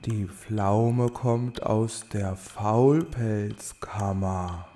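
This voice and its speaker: A woman playing a lazy, sleepy little creature in a children's audio drama, with a creaky, bored drawl. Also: extremely low pitch, very slow, dark tone, exaggerated voice. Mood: sleepy, indifferent.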